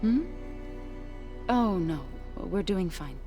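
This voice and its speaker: Earnest tribal healer woman, mid-pitched. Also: lively intonation, very slow, mellow, faint music behind. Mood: tentative, sincere. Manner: earnest, careful, slightly formal. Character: gentle, curious tribal healer woman, devout about nature. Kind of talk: naturalistic video game acting.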